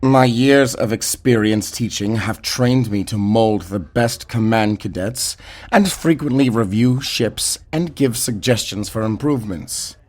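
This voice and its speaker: A man's voice: on the low side, a little slow. A man acting a proud, critical professor in a sci-fi audio drama, stiff and pompous, turning defensive. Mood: defensive, indignant. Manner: pompous, stiff, hesitant when challenged.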